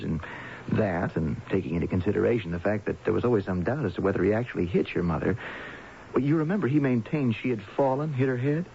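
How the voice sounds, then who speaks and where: A man's voice: on the low side, creaky, darkish tone. A man acting a folksy, well-meaning acquaintance in a radio mystery drama, conversational and a little hesitant. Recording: dull, noisy vintage radio recording.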